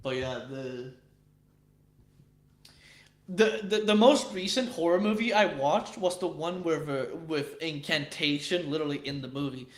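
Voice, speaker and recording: A man's voice: fairly high pitch, measured pace. A man with a Swedish accent chatting casually with viewers on a livestream, rambling and swearing, with frequent restarts. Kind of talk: casual chat.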